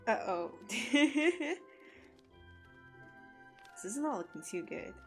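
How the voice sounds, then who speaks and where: A woman's voice: on the high side, big pitch swings, drawn-out words. A woman whose first language is Cantonese, chatting casually and laughing often while she streams her drawing. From Hong Kong. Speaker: art streamer. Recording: faint music under the voice. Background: soft background music.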